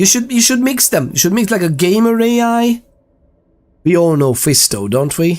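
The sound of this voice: Big pitch swings mark this man's high voice, which has a slightly mellow tone and a moderate pace.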